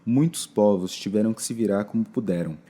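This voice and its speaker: Low, mellow Brazilian male narrator. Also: a little fast. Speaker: narrator of a documentary podcast. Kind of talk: scripted narration.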